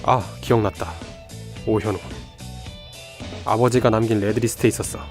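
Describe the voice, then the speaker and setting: A young man playing a sharp amateur detective who lays out deductions in an analytical, assured way in an audio drama. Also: on the low side, fairly even intonation, moderate pace, faint music behind, natural voice. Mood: deducing. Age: young adult. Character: sharp young male amateur detective, piecing clues together.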